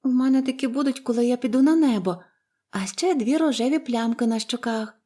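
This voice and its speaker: Here a woman performs a talkative, happy orphan girl from a children's story, gushing with enthusiasm. The voice is high, bright and delighted, well above ordinary grown-up pitch, and it moves briskly while staying natural.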